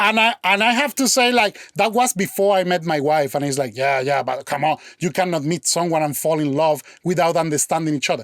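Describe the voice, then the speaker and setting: A man with a Spanish accent, high-pitched and animated, at a fairly quick pace with lively intonation, in dry, close sound with no echo. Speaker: visual effects supervisor. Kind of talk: casual chat.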